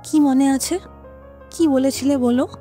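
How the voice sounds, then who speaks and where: A high-voiced, insistent lover. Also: female voice, steady tone, unhurried, dark tone. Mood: intense longing. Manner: insistent, dismissive, pressing. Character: impatient, determined woman pressing her lover to marry. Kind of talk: Bengali audio drama dialogue. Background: dramatic music.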